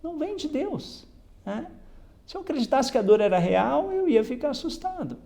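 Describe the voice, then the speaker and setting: A man's voice: extremely high pitch, very animated, normal speed, vocal fry, warm tone. A man explaining a Bible lesson in a reflective way, reading passages aloud and adding "né?" as he goes. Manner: reflective, repeats "né?" often, reads passages then explains. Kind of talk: spoken Bible lesson commentary.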